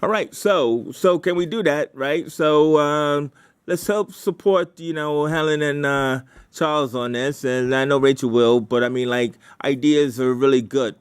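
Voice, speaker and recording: A man leading a writers' meeting in casual, halting talk, repeating himself as he thinks aloud and brainstorms. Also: on the high side, smooth.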